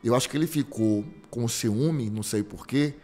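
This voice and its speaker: A Brazilian man, a bishop, preaching conversationally, telling a story with quoted dialogue and slow, emphatic repetitions. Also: mid-range voice, darkish tone, soft background music. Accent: Brazilian Portuguese. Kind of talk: conversational sermon.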